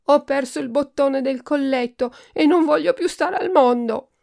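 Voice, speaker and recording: Woman voicing a spoiled young duke, shrill wailing, very high, loud, gravelly edge, storybook. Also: normal speed. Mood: hysterical. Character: whiny spoiled young male duke, hysterical.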